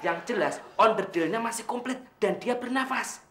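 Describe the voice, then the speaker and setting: An actor playing a witty household helper in a sitcom. The helper teases with deadpan jokes. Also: medium pitch, moderate pace, background noise, lightly acted. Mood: teasing. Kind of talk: sitcom acting.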